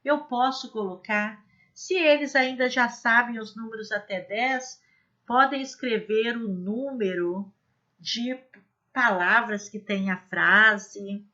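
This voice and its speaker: A woman teaching how to run early literacy activities, speaking slowly and demonstrating each step clearly. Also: on the high side, sharp tone, lo-fi sound. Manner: slow, clear, demonstrative teaching with modeled examples. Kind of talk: instructional video lesson.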